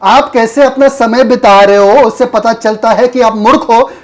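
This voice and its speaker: A man's voice: very high-pitched, steady tone, normal speed. A man preaching a Bible lesson who keeps asking his listeners questions and repeating their answers. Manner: mocking role-play of a foolish person. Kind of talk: Bible teaching sermon.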